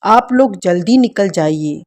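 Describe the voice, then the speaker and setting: A woman voicing a secretive young noblewoman, hushed. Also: mid-range voice, expressive, a little slow. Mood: urgent hushed. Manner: hushed, whispering.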